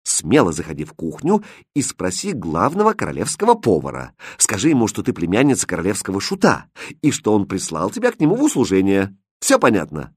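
Man playing a mocking court jester from a storybook, husky, voice swinging widely. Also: fairly low pitch, wildly swooping pitch, a little fast, dry recording, clean studio sound, exaggerated voice. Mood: playful. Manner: teasing, playful.

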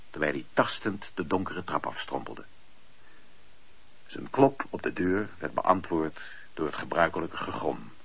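A man narrating a radio play as an expressive, theatrical storyteller. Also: lowish voice, slightly rough, no echo, exaggerated voice. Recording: dull lo-fi radio play recording.

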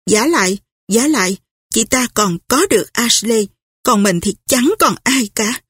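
A woman voicing a spoiled, hot-tempered young widow in a storybook reading, with a petulant, shrill manner. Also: lively intonation, unhurried, no echo, studio quality. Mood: resentful.

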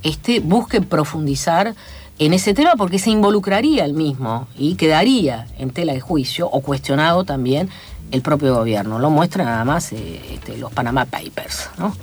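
A woman from Chile with a Chilean Spanish accent, a guest in a radio studio interview, talking in a measured, lecturing way full of fillers. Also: low voice, expressive, darkish tone, slightly rough. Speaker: guest, academic commentator. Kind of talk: radio interview, analytical talk.

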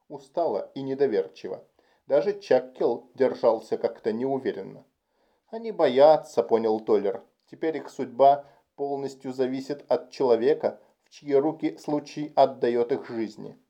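Dark-voiced man reading an audiobook. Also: mid-range voice. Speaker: audiobook narrator. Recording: dull home recording.

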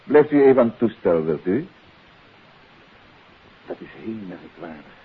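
A Dutch actor playing a composed, wry gentleman detective in a 1950s radio play, on an old recording. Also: lowish voice, sing-song, measured pace, narrow, tinny audio, background noise. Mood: composed, courteous.

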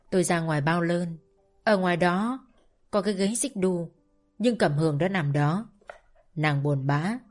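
Woman calmly narrating a story. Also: on the low side. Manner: calm, measured first-person storytelling. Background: faint music.

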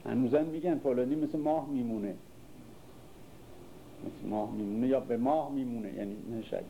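Heard through phone-quality sound with faint background noise, an older man with a mid-range voice teaches classical poetry. This literature teacher recites verses, explains them in everyday speech, and questions his listeners throughout.

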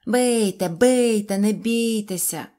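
A woman voicing a cheerful, boastful little fairy-tale man who speaks loudly and excitedly, forever apologising for his words. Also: sits high, normal speed, lightly acted. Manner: loud, excited, ever-apologetic phrasing.

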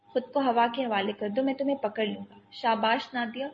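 A woman voicing a calm, commanding young male army captain who steadily coaxes a frightened child, on dull lo-fi audio. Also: on the high side, slight background noise, lightly acted. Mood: coaxing. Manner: steady, coaxing, talks a frightened child through danger.

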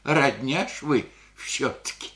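A man's voice: medium pitch, slow, a bit bright. An actor playing a humble, elderly village grandfather who speaks in a rambling, hesitant rustic way in a radio play. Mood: humble, fumbling. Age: older. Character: humble old village grandfather, burned out of home.

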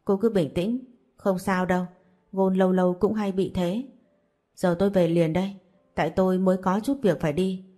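A blunt young father, voiced by a woman. He lectures in a curt, firm tone, and the voice sits low and mellow. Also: fairly even intonation, moderate pace, lightly acted. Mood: stern.

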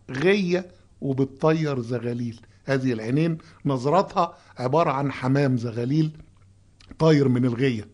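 A man's voice: medium pitch, darkish tone. A man with an Egyptian accent who hosts a music commentary, reciting song lyrics aloud and humming melodies as he explains them. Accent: Egyptian Arabic. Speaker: host explaining songs.

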